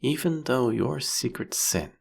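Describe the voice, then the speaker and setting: A man playing a captured vampire king in an audio roleplay, sardonic and silkily menacing, with a husky, gravelly voice and theatrical, taunting phrasing. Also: medium pitch, animated, exaggerated voice. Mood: sly, probing. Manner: theatrical, mocking, drawn-out, teasing phrasing. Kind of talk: scripted audio roleplay monologue addressed to the listener.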